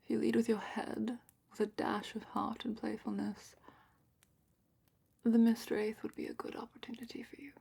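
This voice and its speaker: Woman acting as gentle female dragon keeper, soft ASMR roleplay, whispery, mellow, creaky, careful explanations. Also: fairly high pitch, little pitch movement, full character voice. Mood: soft, thoughtful. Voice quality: breathy, whispery. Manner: hushed, unhurried, careful explaining.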